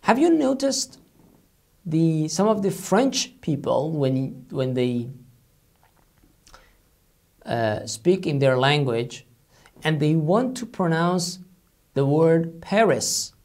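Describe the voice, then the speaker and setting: A male language teacher who speaks at a very slow, unhurried pace, giving a recorded online lesson. His pitch rises and falls a great deal as he explains. He repeats each sound deliberately to demonstrate it. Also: lively intonation, darkish tone. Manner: patient, explanatory.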